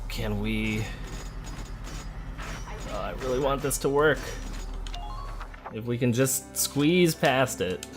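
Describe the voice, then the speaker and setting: A man's voice: mid-range voice, slow, long pauses. A man hosting a let's play, thinking aloud in casual, conversational game commentary. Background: game music.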